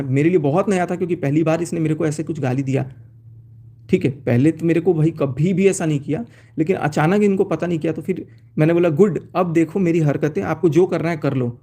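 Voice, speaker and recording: A man's voice: fairly high pitch, fast talker, dark tone. A man talking on a phone live stream, laying out his side in an aggrieved, accusing way as he reads out chat messages. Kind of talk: casual live-stream talk, reading out chats.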